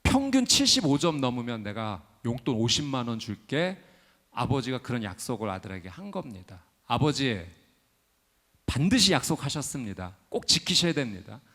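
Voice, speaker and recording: Pastor guy preaching, animated and swoopy, builds up to loud big declarations. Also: mid-range voice, normal speed. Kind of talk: sermon.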